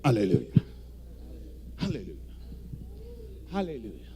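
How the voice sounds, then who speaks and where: A male preacher with an English-speaking foreign accent, delivering a theatrical charismatic sermon in halting, non-native speech. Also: lowish voice, wildly swooping pitch, noisy background. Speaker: guest preacher. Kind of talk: charismatic sermon in Portuguese as a second language.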